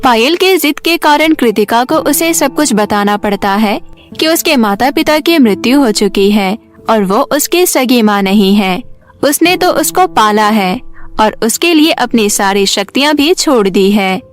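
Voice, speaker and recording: A woman narrates a scripted story for children. Her voice sits high. Light music plays behind the narration. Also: animated, measured pace. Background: background music.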